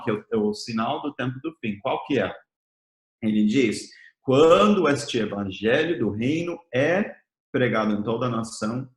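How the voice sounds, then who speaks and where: A man from the United States with an American accent, preaching a conversational sermon as a missionary in a language that is not his first, often ending his phrases with a tag question. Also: mid-range voice. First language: English. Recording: roomy echo.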